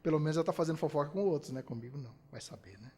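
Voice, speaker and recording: A husky, fairly high-pitched man from Brazil delivers a spiritist lecture. He keeps asking his listeners rhetorical questions. He acts out little quoted exchanges between people. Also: racing, darkish tone, in a large hall.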